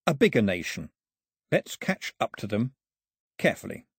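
A man voicing an earnest, protective young male islander in a storybook, solemn and measured. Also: lowish voice, big pitch swings, breathy edge, dry recording, clean studio sound, exaggerated voice. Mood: earnest, resolved.

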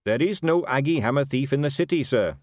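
A man as an earnest, higher-pitched watch captain. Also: lively intonation, fairly quick, darkish tone, no echo, studio quality, close to an everyday voice. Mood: earnest, wooden. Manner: respectful, wooden, firm. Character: earnest, polite, honest young male watch captain.

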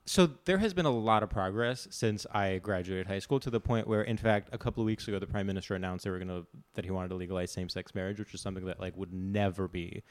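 A man from Greece with an American accent, chatting casually as a comedic podcast guest, animated and digressive, acting out what people say. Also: low voice, fast, hardly any pauses. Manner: animated, digressive, acts out quoted remarks.

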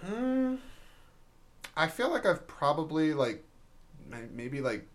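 A man's voice: on the high side, big pitch swings, slow pace. A man chatting casually as a co-host, rambling, restarting his sentences and reading things aloud from web searches. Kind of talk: casual chat.

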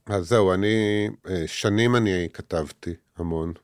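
A man in his fifties talks in an interview, slowly and earnestly, stopping often to restart his sentences. His voice sits very low and sounds smooth and clear. The sound is dry and close. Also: no echo. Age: 50s. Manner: halting, many hesitations and restarts; earnest, heavy. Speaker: guest, author and army veteran. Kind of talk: personal interview talk.

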